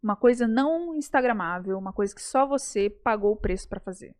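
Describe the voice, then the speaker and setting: A Brazilian woman speaking as a guest in a casual podcast interview, animated and playful, often addressing the audience directly. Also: mid-range voice, brisk. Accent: Brazilian Portuguese.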